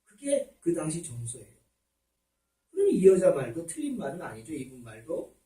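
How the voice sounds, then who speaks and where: 교회에서 설교하는 남자 목사로, 겪은 일을 이야기처럼 풀며 등장인물의 말을 흉내 낸다. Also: male voice, a little high, wildly swooping pitch, normal speed, dark tone, reverberant, far from the mic, poor audio. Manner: storytelling, acts out quoted people. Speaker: pastor. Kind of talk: sermon. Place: church sanctuary.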